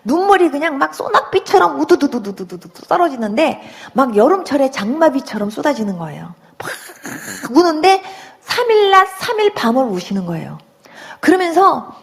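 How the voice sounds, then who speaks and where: A middle-aged woman giving a personal Christian conversion testimony, telling her story vividly and with sound words. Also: high-pitched.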